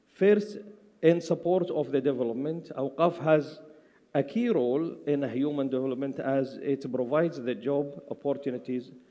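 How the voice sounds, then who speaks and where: Speaking in an Arabic accent, a man talks at a moderate pace with a fairly high pitch. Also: ordinary pitch variation. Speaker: conference panellist. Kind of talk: conference presentation. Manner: halting.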